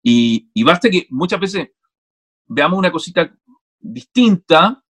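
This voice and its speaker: A Chilean man, an actor and interview guest, telling stories in a casual, animated, digressive way with many restarts. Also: a little high, unhurried, breathy edge. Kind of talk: casual conversation.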